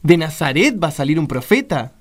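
An actor playing a bitter, sarcastic poor young villager in a radio drama, with an Argentine accent. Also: male voice, on the high side, very animated, brisk. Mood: sarcastic, defiant. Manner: sarcastic, argumentative, exclamatory. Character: bitter poor young Galilean man, mocking, hard-drinking.

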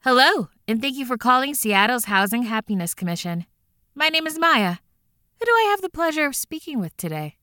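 A cheerful housing caseworker speaks in a bright, crisp voice with lively pitch. She reassures the caller and stays businesslike. The sound is dry and close. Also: normal speed, no echo. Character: upbeat adult woman housing caseworker. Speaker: housing phone agent.

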